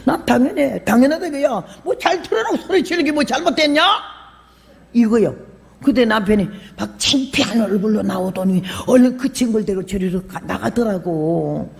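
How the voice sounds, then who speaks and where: Older lady preacher, gravelly, animated storytelling sermon, long echo like a big church hall. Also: on the high side, normal speed. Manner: animated storyteller, acts out quoted voices, bursts into shouts. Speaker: missionary preacher.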